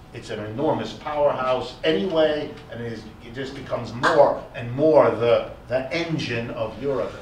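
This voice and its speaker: A man giving an emphatic, animated economics lecture to a room, often repeating words for stress. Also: medium pitch, a little hiss or hum. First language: German. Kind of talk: public lecture. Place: lecture hall. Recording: echoey hall, recorded from far off.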